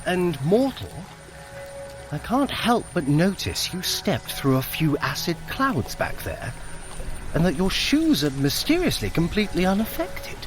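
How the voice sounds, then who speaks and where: An actor playing a sly, clever trickster god in an audio drama, with a wry, theatrical, condescending manner. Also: male voice, high-pitched, sing-song, unhurried, music in the background. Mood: wry, teasing.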